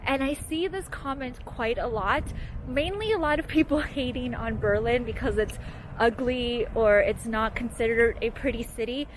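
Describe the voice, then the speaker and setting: A young woman from Canada talks to her viewers in an upbeat, chatty way as she strolls outdoors through a city. Her voice sits a little high, and a faint hum of traffic and street sound carries behind her, picked up by a handheld camera. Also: normal speed, low-quality recording. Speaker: vlogger. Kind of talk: casual walking vlog.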